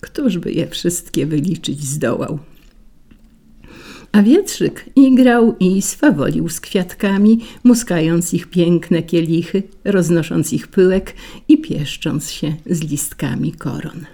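Brief: woman storyteller, low, dark voice, husky, lilting delivery. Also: takes it slowly. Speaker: narrator. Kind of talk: storybook reading.

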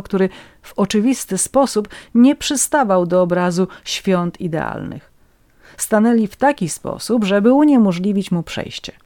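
A woman's voice: fairly low pitch, a little mellow, no room sound, studio quality. A woman narrating a first-person story in a wry, ironic storytelling manner.

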